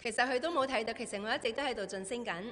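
Woman, Cantonese accent, sermon interpreter, quick delivery, slightly high voice, echoing hall. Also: pushed and bright. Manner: interprets each phrase right after the preacher. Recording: long reverb of a church hall.

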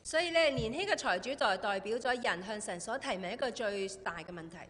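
A woman's voice: medium pitch, expressive, brisk, fairly bright tone. A woman with a Cantonese accent who interprets a sermon phrase by phrase, right after the preacher. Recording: long reverb of a church hall.

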